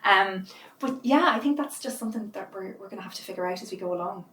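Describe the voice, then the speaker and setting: A woman's voice: mid-range voice, fast talker, a little hiss or hum. Chatty Irish woman, roomy distant sound. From Ireland. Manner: chatty, animated storyteller. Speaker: interview guest. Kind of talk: casual conversational interview.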